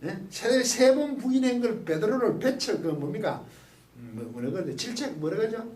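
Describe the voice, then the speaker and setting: Animated man lecturing in a roomy hall. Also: sits high, moderate pace. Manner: animated, asks the class questions, acts out quotes. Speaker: Bible lecturer. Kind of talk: lively Bible study lecture. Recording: roomy, mic at a distance.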